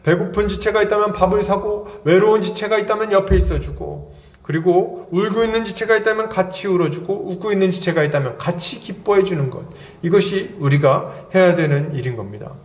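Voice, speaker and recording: A male pastor preaching an expository sermon, animated and acting out little dialogues. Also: high-pitched, fairly quick. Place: church sanctuary. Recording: echoey church hall.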